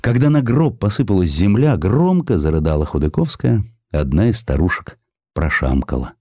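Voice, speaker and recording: A man narrating a literary audiobook in a measured, expressive, dramatic storytelling manner. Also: low voice, dry recording, clean studio sound.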